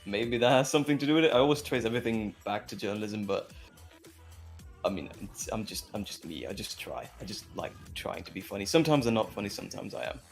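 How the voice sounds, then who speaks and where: A man's voice: lowish voice, animated, quick pace, soft background music. A man from Belgium with a Flemish accent, a Dutch speaker, chatting casually and self-deprecatingly as a cast guest. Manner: self-deprecating, apologetic, joking. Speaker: voice actor guest. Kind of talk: casual chat.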